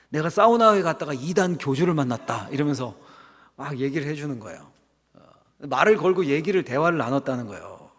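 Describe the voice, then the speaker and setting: A middle-aged male pastor giving a conversational sermon, asking the congregation questions. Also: on the high side. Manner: conversational preaching with rhetorical questions and acted quotes. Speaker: senior pastor. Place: church sanctuary. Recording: long hall reverb.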